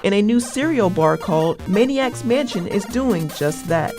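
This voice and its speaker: A woman's voice: mid-range voice, expressive, moderate pace, over music. A woman in her twenties delivering scripted local news reports as a student reporter. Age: 20s. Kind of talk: scripted news package narration and stand-ups.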